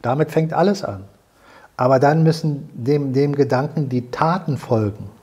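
An older man hosts a salon conversation indoors in a living room with a fireplace, his medium-pitched voice husky and a little mellow at a moderate pace, with the highs cut off. He explains earnestly, repeating words as he searches for them.

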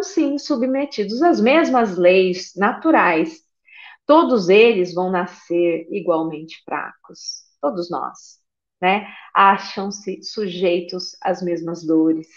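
A woman's voice: fairly low pitch, muffled recording. A woman giving a spiritist religious lecture online, often checking in with tag questions, repeating phrases and reading passages aloud. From Brazil. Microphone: video call.

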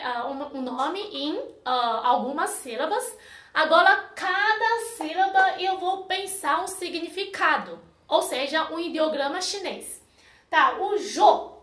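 High-voiced woman. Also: fairly bright tone, roomy sound. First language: Mandarin Chinese. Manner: patient, checks in often with tag questions. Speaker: Chinese teacher. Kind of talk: explanatory language lesson.

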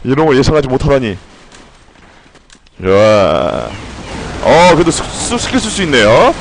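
A man streaming a game live, excitedly shouting orders at his teammates and breaking into mock-grand commands. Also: medium pitch, unhurried. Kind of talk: live gameplay commentary. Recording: noisy game audio behind.

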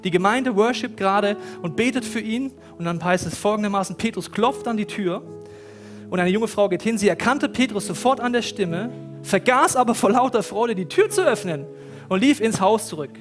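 A man preaching a sermon from a church stage, telling lively personal stories and speaking straight to the listeners. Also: high-pitched, normal speed, over music. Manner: lively storytelling, addresses listeners directly. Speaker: pastor. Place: church stage before a congregation.

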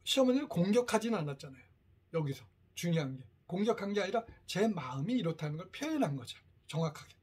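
A man in his fifties leading a workshop for parents, telling lively family stories and acting out the lines people said. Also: high-pitched, fast talker, slightly rough. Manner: lively storytelling, acts out quoted family lines. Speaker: teacher giving a parent workshop. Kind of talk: lecture to parents. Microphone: lecture recording, in front of a camera.

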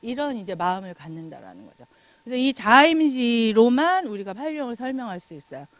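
Middle-aged lady giving a lecture, kinda high pitched, dry close sound, laughs a lot. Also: brisk, no room sound. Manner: animated, laughs often, acts out quoted remarks.

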